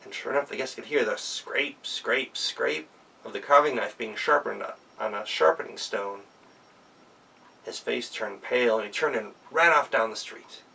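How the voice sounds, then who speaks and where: Creaky, bright-voiced male storyteller. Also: medium pitch, normal speed, far from the mic, poor audio. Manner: expressive, with dramatic emphasis. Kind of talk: live oral folktale narration.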